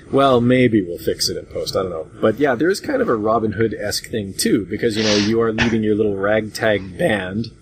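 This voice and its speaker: A man with a fairly low voice moderates a casual panel chat. He rambles with dry good humor, over a faint furnace hum. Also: moderate pace. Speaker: podcast host and moderator. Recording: hobby podcast with furnace hum. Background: noisy furnace hum.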